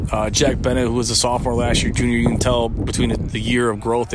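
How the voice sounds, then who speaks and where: A man at a medium pitch with an American accent, very fast pace and hardly any pauses, against noticeable background noise. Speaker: high school football coach. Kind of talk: pregame interview. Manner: halting, many fillers.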